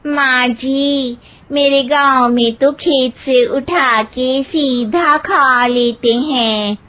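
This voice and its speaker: A woman plays a naive young village bride in a cartoon, speaking in a high, slow and simple way. She is innocent and literal-minded. The sound is tinny, like a phone line. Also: slight background noise.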